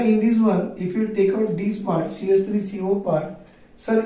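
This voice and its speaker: A man's voice: sits high, mellow. A man with a South Asian accent giving a classroom chemistry lecture, asking questions and answering them himself, repeating phrases for emphasis. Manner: repeats phrases for emphasis, addresses students affectionately. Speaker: chemistry teacher. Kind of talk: classroom lecture for a video lesson. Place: echoey room, recorded away from the microphone. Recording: very echoey room, distant microphone.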